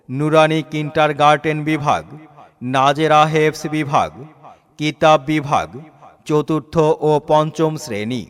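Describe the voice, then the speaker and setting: A man with a Bangladeshi accent reading a scripted promotional public announcement in formal, measured, paused phrases, with a loudspeaker-announcement sound. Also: on the high side, clean tone. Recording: long reverberant echo, loudspeaker-announcement sound.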